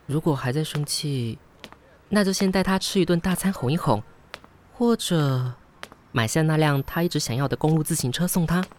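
A man's voice: a little high, normal speed, slight background noise, close to an everyday voice. A man with a Taiwanese Mandarin accent acting a jilted, sarcastic, hot-tempered gay lover in a modern radio drama. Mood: fond, pensive. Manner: expressive, swearing, muttering to himself.

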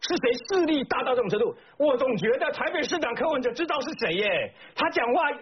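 High-pitched, fiery Taiwanese-accented male commentator. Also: very animated, fast, background noise. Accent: Taiwanese Mandarin. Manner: indignant, rhetorical questions, emphatic repetition. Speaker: political commentator. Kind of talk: talk show commentary. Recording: slightly dull broadcast audio.

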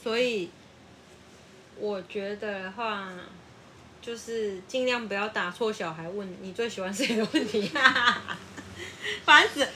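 A woman, a mother of a young child, chatting casually and telling lively family stories, often laughing and acting out voices. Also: medium pitch, takes it slowly, long pauses, slight background noise. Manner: animated storyteller, acts out child's voice, laughs often. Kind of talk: casual chat.

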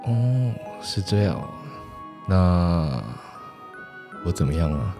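A man's voice: low voice, big pitch swings, slow, over music, full character voice. A man playing a confident, flirtatious gay man in a radio drama, teasing and coaxing suggestively. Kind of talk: improvised-feel romantic radio drama acting.

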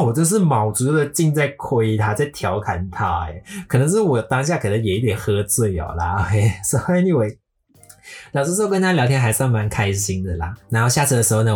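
Husky Malaysian-accented podcast storyteller. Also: medium pitch, darkish tone. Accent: Malaysian Mandarin. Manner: playful, mixes English into Mandarin. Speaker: podcast host.

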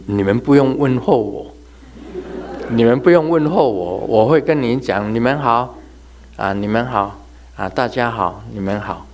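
A man's voice: lowish voice, darkish tone. A man giving a religious talk in a chatty, storytelling way, laughing and imitating sounds as he goes. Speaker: religious teacher. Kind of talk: sermon told as humorous ghost anecdotes.

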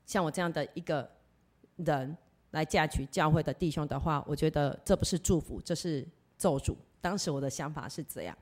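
A woman's voice: low-pitched, a little fast, darkish tone. A woman telling her personal faith testimony in an earnest storytelling way, acting out the dialogue she quotes. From Taiwan. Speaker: church member giving testimony.

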